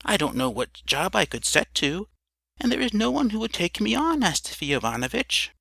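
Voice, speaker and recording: A man's voice: high-pitched, sing-song, moderate pace, gravelly, bright, forceful tone, dry recording, voice pushed up, exaggerated voice. A man voicing a meek, poor drunken man who speaks timidly and plaintively. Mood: pleading.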